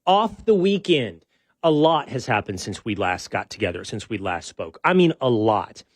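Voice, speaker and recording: A middle-aged man opens his show with loose, easygoing chatter, circling back on himself and cracking small jokes at his own expense. His voice sits at an ordinary male pitch. The sound is close and dry, with no room around it. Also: normal speed, no room sound. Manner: relaxed and rambling, with frequent restarts and self-deprecating asides. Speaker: podcast host. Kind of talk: casual show-opening chat.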